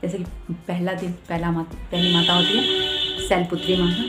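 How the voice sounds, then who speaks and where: A woman's voice: on the low side, level tone, moderate pace, reverberant, loud music behind the voice. A woman vlogger casually explaining her home puja routine at length. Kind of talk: casual devotional vlog talk.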